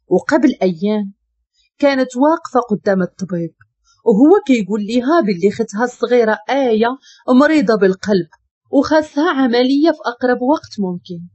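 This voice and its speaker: A woman with a Moroccan accent narrating a dramatic story in an expressive, emotive way. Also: a little high, breathy edge, no room sound, highs cut off.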